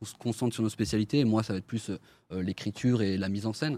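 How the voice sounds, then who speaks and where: In a dry, close recording with no echo and a very clean, silent background, a man with an unremarkable speaking voice talks at a fairly quick pace and a medium pitch. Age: 20s. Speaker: game developer and former rapper. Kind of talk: interview.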